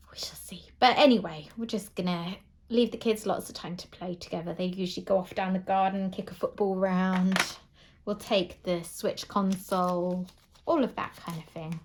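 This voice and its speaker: A woman's voice: medium pitch, a little hiss or hum. A middle-aged British woman chatting casually and in a rambling way as she hosts a craft video at home. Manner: chatty, rambling, often chuckling. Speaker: craft channel host. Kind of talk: casual chat while doing a craft. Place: indoors at home.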